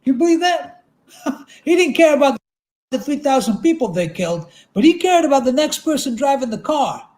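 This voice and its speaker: Man reading as a high-voiced, folksy, suspicious state trooper. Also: very animated, moderate pace, a little mellow. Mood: incredulous. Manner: insistent rhetorical questions. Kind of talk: dramatic literary reading.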